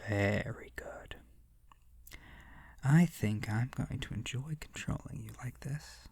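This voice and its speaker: Slow, creaky, seductive vampire, acted out by someone. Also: medium pitch, a little mellow, no echo, heavily acted. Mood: predatory, teasing. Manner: slow, breathy near-whisper, theatrical and menacing. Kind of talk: scripted horror audio roleplay, ASMR.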